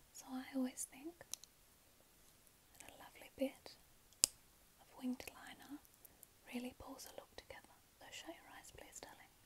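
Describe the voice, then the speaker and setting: A woman whispering in a gentle tone, big swings in loudness, long and frequent pauses, a moderate pace, and noticeable background noise. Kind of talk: roleplay tutorial talk to viewer. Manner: gentle whisper while applying liner. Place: home room. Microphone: earbuds.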